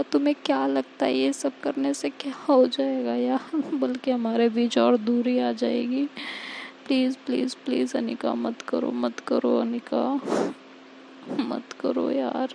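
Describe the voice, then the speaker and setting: A woman's voice: high-pitched, creaky, mellow, a little hiss or hum, exaggerated voice. A woman voicing a young woman who begs her lover again and again, repeating her pleas. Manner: begging, repeating pleas over and over.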